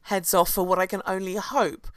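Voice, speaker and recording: A hoarse woman, co-hosting a podcast and chattily telling a history story, with asides and restarts. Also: mid-range voice, little pitch movement, normal speed, no room sound, studio quality. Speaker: podcast co-host. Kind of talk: casual chat, storytelling history.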